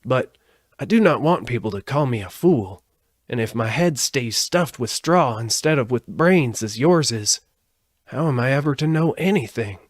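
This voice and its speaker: A man voicing a friendly, earnest, brainless straw scarecrow from a storybook, with a husky voice and emphatic, swooping delivery. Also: medium pitch, expressive, normal speed, no room sound, studio quality, pitched above the performer's own voice, natural voice. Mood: plaintive, earnest. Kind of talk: storybook character voice.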